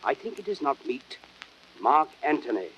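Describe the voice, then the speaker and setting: A man's voice: medium pitch, sing-song, normal speed, fairly bright tone. A man playing a bitter, persuasive Roman nobleman who plots, in declamatory, impassioned classical Shakespearean style. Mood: urgent, persuasive. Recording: noisy old audiodrama record.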